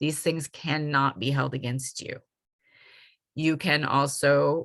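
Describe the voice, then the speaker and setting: A woman speaks at a fairly slow pace in a very deep, low voice with a bright, sharp tone and fairly even intonation. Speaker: government insurance agency representative. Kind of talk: webinar presentation. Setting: online webinar.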